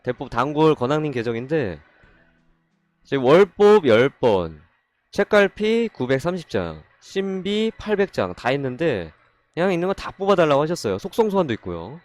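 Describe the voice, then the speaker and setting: A man doing casual live-stream commentary on game gacha pulls, excitable, swinging from calm explaining to loud exasperated outbursts. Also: a little high, moderate pace.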